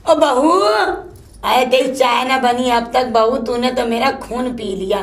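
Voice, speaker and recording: A woman's voice: fairly even intonation, unhurried. A woman playing a scolding old mother-in-law who curses and complains nonstop. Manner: shrill, cursing, complaining nonstop. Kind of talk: solo comedy sketch.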